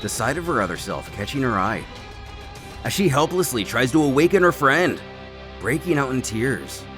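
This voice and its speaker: A man's voice: mid-range voice, very animated, normal speed, fairly bright tone. A man narrating an action story in a theatrical, scripted style, with music playing behind him. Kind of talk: dramatic scripted comic narration. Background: dramatic background music.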